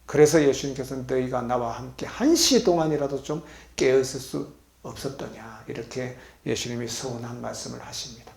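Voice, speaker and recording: A man preaching a sermon as a pastor to a congregation at a healing retreat center. He asks the congregation questions and swings between loud and soft. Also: mid-range voice, fairly quick, vocal fry. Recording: echoey hall.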